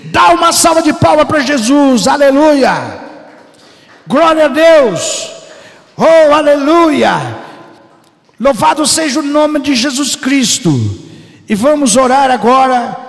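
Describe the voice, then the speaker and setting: A very high-voiced man preaching with fervor, his gravelly voice rising into shouts and chanted lines. Long reverb from a church hall trails each phrase. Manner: fervent, shouting bursts and sing-song preaching. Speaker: pastor. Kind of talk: Pentecostal sermon.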